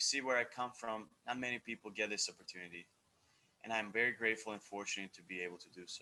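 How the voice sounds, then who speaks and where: Delivered at a very fast pace in a Serbian accent, the voice has a bright, sharp tone, fairly even intonation and big swings in loudness. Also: man, medium pitch for a man. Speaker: college basketball player. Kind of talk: senior speech. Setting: seated in front of a camera.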